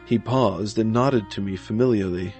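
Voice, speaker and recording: A man reading scripted gothic horror narration in a dramatic, measured manner. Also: fairly low pitch, a little mellow. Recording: music behind the voice.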